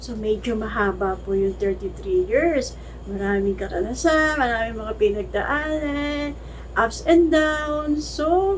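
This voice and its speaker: A woman at a very slow pace, with noticeable background noise and audible room echo. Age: 60s. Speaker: cancer survivor. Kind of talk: testimony.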